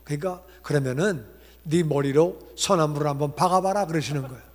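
Korean pastor preaching in a reverberant church. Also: male voice, on the high side, a little fast. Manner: animated, acts out dialogue with God and himself. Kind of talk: revival sermon with storytelling. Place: church sanctuary. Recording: long church hall reverb.

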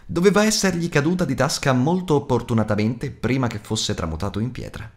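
A man reading an audiobook aloud in a dramatic, expressive narration. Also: mid-range voice, brisk. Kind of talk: scripted narration.

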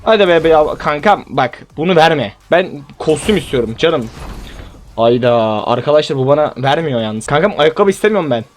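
Excitable young man with a high voice. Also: normal speed. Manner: animated, pleading and exclaiming at the game. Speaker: gaming YouTuber. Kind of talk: casual gameplay commentary.

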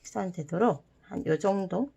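A woman's voice: mid-range voice, moderate pace, vocal fry, dark tone, husky. A woman giving step-by-step craft instructions to children, repeating steps simply and dropping in playful little sound words. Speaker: host of a children's origami tutorial.

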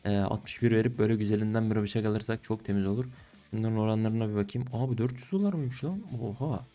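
Young male case-opening streamer, warm tone, slangy and excitable, soft music behind. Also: medium pitch. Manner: slangy, excitable, pleading and groaning at results. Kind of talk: casual gaming commentary.

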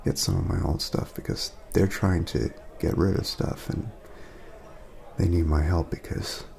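A man speaking softly in a casual ASMR roleplay, laid-back and friendly, chatting as if to a friend. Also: deep voice, steady tone, measured pace, slight background noise. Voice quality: soft, breathy at times, creaky.

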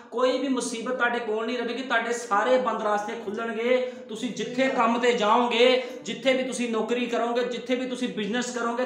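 A man's voice: very high-pitched, a bit bright. A pastor, a man, preaching a sermon full of rhetorical questions. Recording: very echoey room.

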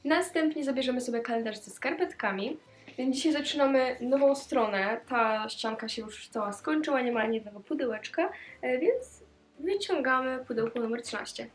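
A woman's voice: sits high, lively intonation, moderate pace. A teenage girl chatting cheerfully as she unboxes gifts in a casual vlog, with many small hesitation sounds, recorded in her bedroom on a camera mic. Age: teens. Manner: chatty and cheerful, with frequent "e" fillers. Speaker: vlogger.

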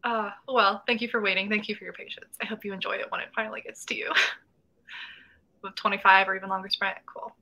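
A woman's voice: medium pitch, little pitch movement, a little fast, gravelly, bright, forceful tone. A woman in her twenties hosting a casual writing livestream from home, reading chat comments aloud and laughing often. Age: 20s. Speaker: host. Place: small room at home, indoors. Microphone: webcam video call.

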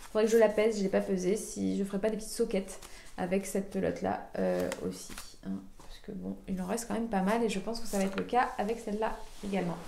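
A chatty woman with a mellow, warm voice hosts a knitting podcast. She talks casually in a show-and-tell way, full of fillers and restarts. The room around her is echoey. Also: medium pitch, steady tone, quick pace, gravelly, slight background noise. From France.

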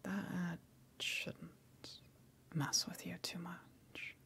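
Woman as a slow, whispering, gentle eldritch tentacle monster. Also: on the low side, level tone, vocal fry, exaggerated voice. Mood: gentle, coaxing. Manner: hesitant, slow, softly considerate, with long pauses. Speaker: ASMR roleplay performer. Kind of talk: whispered ASMR roleplay.

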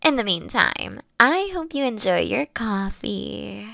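A woman voicing a playful, affectionate fox-witch girlfriend in an intimate roleplay audio, teasing and cooing with breathy asides. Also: mid-range voice, very animated, slow, bright, forceful tone, dry recording, studio quality, heavily acted.

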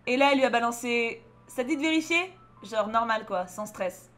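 Soft music plays in the background as a young woman with a French accent streams a story game, speaking fairly quickly in a voice on the high side. She reads the dialogue aloud and keeps up a chatty, joking commentary that swings between loud outbursts and mutters.

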